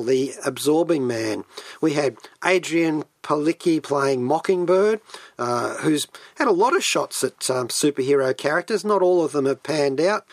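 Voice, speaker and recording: Man, mid-range pitch, geeky radio host, chatty solo monologue, enthusiastic asides, dry studio sound. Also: no room sound.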